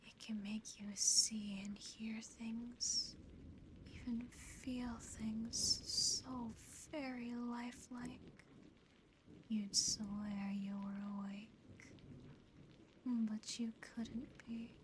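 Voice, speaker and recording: A woman voicing a teasing, condescending, darkly affectionate female demon in a breathy, close-miked ASMR whisper. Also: on the high side, steady tone. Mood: mock pity. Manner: slow, taunting, lingering over words. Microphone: close ASMR microphone. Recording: faint background noise and ambience.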